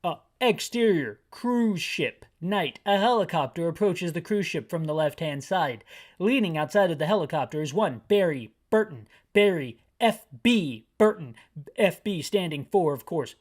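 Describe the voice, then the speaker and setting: At a moderate pace and with a fairly high voice, a man who runs a gaming channel walks unseeing listeners through a video game. Along with describing each screen, he keeps slipping into dry, self-mocking asides in an easygoing, conversational way.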